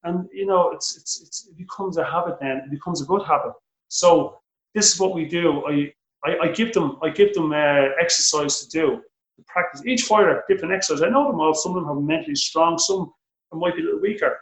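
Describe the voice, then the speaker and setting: A middle-aged man with an Irish accent, a boxing coach answering interview questions, animated and restarting his sentences often. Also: fairly high pitch, brisk, roomy sound, rough recording. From Ireland. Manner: animated, repeats words when starting sentences.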